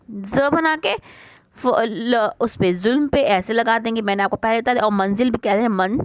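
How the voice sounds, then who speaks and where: A woman teaching a worksheet lesson to young pupils. She asks a question, answers it herself, repeats the words slowly and calls the children "beta". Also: on the high side, slight background noise. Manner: mixes English words like question, first into her talk.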